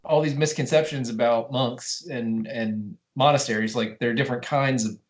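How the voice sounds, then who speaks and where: A man's voice: mid-range voice, fairly even intonation, moderate pace, close to an everyday voice. A man playing a stammering, flustered monk. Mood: earnest. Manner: stammering, earnest, keeps correcting himself. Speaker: improv performer.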